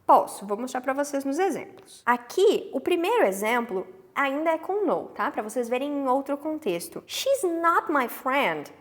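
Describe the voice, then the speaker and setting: A woman with a Brazilian Portuguese accent teaches English with a bright, fairly high voice that swings up and down a lot. She says her example sentences slowly and drawn out, then hurries through the explanation. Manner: animated, stretches English examples slowly, frequent "tá?" check-ins. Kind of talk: lively explanatory lesson.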